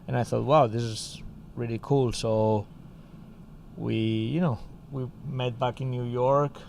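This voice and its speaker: A man's voice: mid-range voice, fairly even intonation, slow, gravelly, a little mellow, slight background noise. Spanish-accented man telling a story. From Spain. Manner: storytelling, many fillers like "you know" and "like". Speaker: co-founder of a music school. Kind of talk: casual podcast chat.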